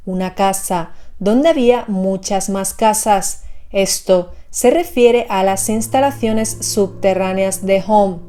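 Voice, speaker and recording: A woman reads scripted narration for horror storytelling in a measured, explanatory manner. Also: mid-range voice, mellow. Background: background music.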